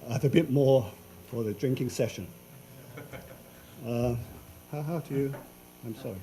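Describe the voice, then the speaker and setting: Older man lecturing, mellow voice. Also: medium pitch, slight background noise. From Hong Kong. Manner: unhurried, with frequent fillers and restarts. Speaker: invited professor giving a symposium talk. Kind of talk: academic lecture. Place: lecture hall.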